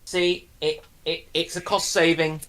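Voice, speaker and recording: A man chatting casually as a live stream panelist, halting and repeating words as he thinks. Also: on the high side, little pitch movement, fairly bright tone. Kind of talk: casual chat.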